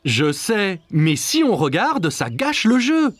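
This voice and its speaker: An actor playing a patient, reassuring father of young children in a children's cartoon, calm and encouraging over music. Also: medium pitch, slow, dry recording. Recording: music under the voice.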